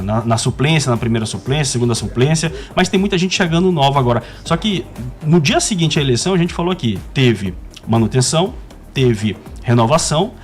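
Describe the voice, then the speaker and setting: A man hosting a radio talk show, chatting and posing questions in a conversational way. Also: medium pitch. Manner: conversational, asks with tags like "né". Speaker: radio host.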